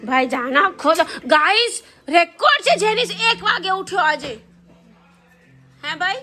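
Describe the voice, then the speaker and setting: Mom vlogger in her thirties, high and bright, chatty and teasing with her kids. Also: animated, unhurried, faint music behind. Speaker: mother and vlogger. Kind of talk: casual family vlog.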